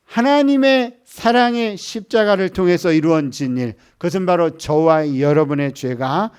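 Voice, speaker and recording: A male missionary preaching a sermon in church. He tells a story, then leads the congregation in reading scripture aloud, swinging between soft, hushed storytelling and raised, emphatic lines. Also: on the high side, moderate pace, clean tone. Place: church service.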